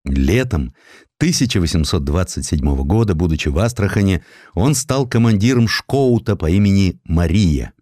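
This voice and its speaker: A man with a deep voice narrates a historical tale. His delivery is theatrical and highly animated, swinging widely in pitch like a storyteller acting out a literary piece. The sound is dry and close, with no room around it. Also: normal speed, no room sound. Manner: expressive, theatrical storytelling with acted quotes. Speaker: narrator, audiobook reader.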